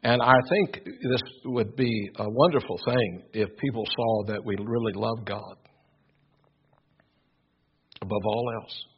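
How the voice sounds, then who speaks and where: Older man, preacher, husky loud voice, emphatic sermon, dull lo-fi recording. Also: on the low side, a little slow, long pauses. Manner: earnest, emphatic, repeats words while building points.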